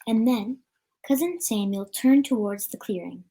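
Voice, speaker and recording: Woman, fairly high voice, storybook read-aloud, storyteller, occasional stumbles. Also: measured pace, dark tone, a little hiss or hum.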